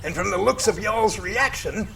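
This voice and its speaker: A man playing a folksy, excitable professor who leads a search team in an amateur audio drama, with theatrical, old-fashioned phrasing. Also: high voice, moderate pace, creaky, very noisy. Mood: gleeful.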